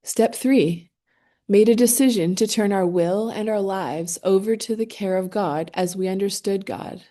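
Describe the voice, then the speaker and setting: Slow, mellow woman guiding a meditation. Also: mid-range voice. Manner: gentle, unhurried, with long pauses between phrases. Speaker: guided meditation leader. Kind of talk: guided meditation, slow and soothing narration.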